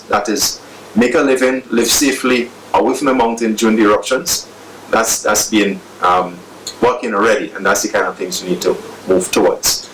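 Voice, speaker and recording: A man explains disaster preparedness in a low voice, stopping now and then to restart a sentence. He is a bit far from the mic, with a faint hiss behind him. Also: a bit bright. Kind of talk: explanatory interview answer.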